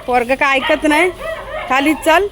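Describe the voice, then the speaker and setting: A woman's voice: high-pitched, normal speed. A woman, chatting casually and coaxing her dog while out walking. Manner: coaxing, scolding the dog playfully. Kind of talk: casual chat with pets and neighbors. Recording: noisy outdoor ambience.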